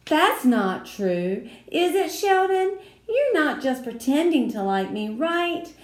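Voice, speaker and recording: A woman's voice: high voice, big pitch swings, takes it slowly, roomy sound, voice pushed up, full character voice. A woman voicing a spoiled, showy rich little girl who talks in a prissy, sing-song way. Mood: pleading.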